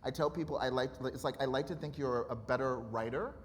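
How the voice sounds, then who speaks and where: Animated, candid man in a reverberant hall. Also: mid-range voice, a little fast. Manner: animated, candid, laughs often, acts out remembered dialogue. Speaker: author guest. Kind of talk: live conversational interview. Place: college auditorium. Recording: reverberant hall with faint noise.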